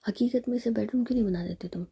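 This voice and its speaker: A woman's voice: fairly high pitch, very fast, gravelly, dark tone, slightly rough, exaggerated voice. A woman voicing a playful but worried young woman facing an arranged marriage, whispered.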